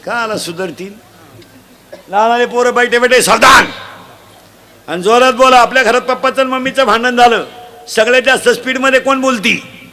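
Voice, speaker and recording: A middle-aged man with a Marathi accent delivering a comic devotional sermon, shouting questions out to children in the crowd. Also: extremely high pitch, fairly quick. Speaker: kirtan preacher. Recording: live event, faint crowd and noise.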